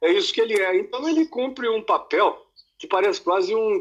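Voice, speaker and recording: The speaker is a man going at a moderate pace. His pitch swings very widely. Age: 70s. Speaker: pastor. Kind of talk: interview. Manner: articulate.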